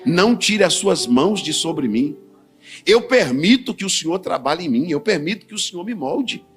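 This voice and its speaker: A man with a Brazilian Portuguese accent preaching a sermon, swinging between low, quiet stretches and loud, fiery bursts. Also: lively intonation, normal speed. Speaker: pastor.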